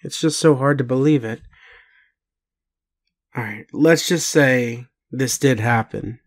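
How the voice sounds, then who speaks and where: A man playing a bewildered, doubting but gentle partner in an intimate roleplay audio, speaking haltingly with pauses. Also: medium pitch. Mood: puzzled, doubting. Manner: halting, hesitant, full of pauses and sighs.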